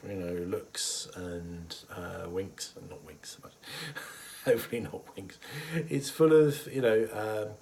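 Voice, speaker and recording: A man speaks in a lowish, husky voice, roughened by a cold. He talks casually and thoughtfully to camera, pausing often on fillers as he explains. A faint hiss of room ambience sits under his voice. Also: fairly even intonation. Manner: thoughtful, hesitant with many fillers, chuckles softly. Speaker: therapist. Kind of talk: casual educational talk to camera.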